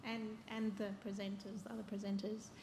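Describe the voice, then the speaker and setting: Soft-voiced woman asking a question, echoey room, noisy. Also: medium pitch, level tone, brisk. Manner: soft-spoken. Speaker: audience questioner. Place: event hall. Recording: echoey room with clear noise.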